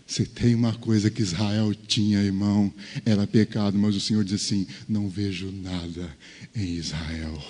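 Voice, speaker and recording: Preaching pastor, loud to hushed, in a hall. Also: male voice, lowish voice, steady tone, moderate pace. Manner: swings from loud emphatic preaching to soft, hushed asides. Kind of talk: sermon. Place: church.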